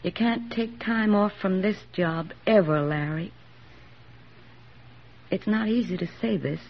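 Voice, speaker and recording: An earnest young army nurse. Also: female voice, mid-range voice, unhurried. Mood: heartfelt. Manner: earnest, heartfelt and reflective. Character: young woman army nurse on a wartime beachhead, earnest and tender. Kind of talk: 1940s radio acting. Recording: dull old radio broadcast recording.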